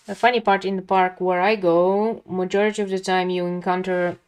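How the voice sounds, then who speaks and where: A woman's voice: lowish voice, fairly quick, clear, resonant tone. Chatty woman livestreaming her drawing. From lives near a big Dutch city. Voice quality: calming voice. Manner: chatty, talks to chat viewers, laughs often. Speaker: art livestream host. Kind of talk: casual chat while drawing.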